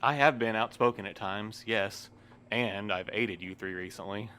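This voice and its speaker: Weary male postmaster played by an actor, lowish pitch, wordy and proper, dryly resigned, for a fiction podcast. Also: fairly even intonation, moderate pace, sharp tone, slight background noise. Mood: guarded, formal. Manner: wordy, formal, precise. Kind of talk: scripted audio drama acting.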